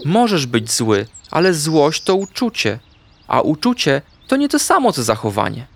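A man voicing a calm, wise female owl who gently guides the children in a storybook. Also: fairly high pitch, normal speed, creaky, heavily acted. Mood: soothing.

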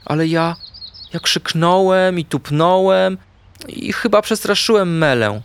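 A man voicing a hot-tempered little boy hamster in a children's storybook, shouty and boastful. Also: high voice, clean tone, voice pushed up. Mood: sheepish. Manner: shouty, boastful, quick to anger.

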